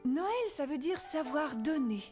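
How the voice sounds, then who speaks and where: A woman playing a gentle, encouraging young mother in a children's cartoon, speaking patiently and expressively as if to a small child. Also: sits high, lively intonation, a little slow. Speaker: voice actress. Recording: music behind the voice.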